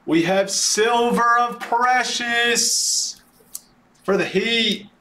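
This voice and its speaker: A man hosting a live sports card break, announcing names in an excitable, drawn-out way, his voice starting to wear. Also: extremely high pitch. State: voice starting to give out. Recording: roomy echo, background noise.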